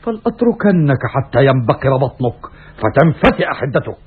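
An actor playing a stern, righteous Roman commander, declaiming with scornful anger in classical Arabic radio theatre style, with a husky voice. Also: male voice, mid-range voice, sing-song, normal speed. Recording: muffled, raspy, phone-like old radio recording.

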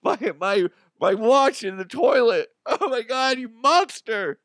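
Man doing a whiny, high-pitched distressed clown. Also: animated, measured pace, a bit bright, no room sound, clean studio sound, exaggerated voice. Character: innocent, distressed passerby in a clown costume, whining.

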